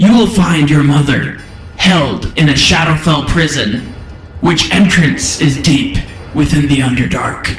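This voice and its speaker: Over clear background noise, a man puts on a character voice at a fairly high pitch and a fairly slow pace. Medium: actual play. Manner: measured, formal, kindly.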